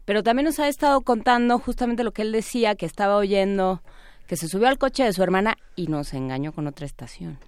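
Fast-talking, clear-voiced woman on radio. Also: medium pitch, animated, no room sound. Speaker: radio co-host. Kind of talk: radio chat.

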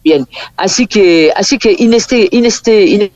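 A woman with a very low voice for a woman, a guest speaking on a remote call, rambling with many restarts and tag questions. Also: measured pace, a little mellow, no echo. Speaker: guest performer. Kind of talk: remote interview over a call. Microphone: phone call. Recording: dull phone-line call, dry.

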